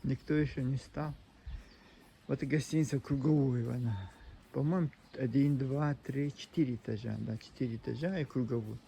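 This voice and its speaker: A man speaking Russian as a second language, rambling and halting with many restarts, filming a vlog outdoors at a seaside resort. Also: mid-range voice, steady tone, creaky, mellow. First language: not Russian. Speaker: vlogger. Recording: outdoor phone recording with sea noise. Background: noise of the sea shore.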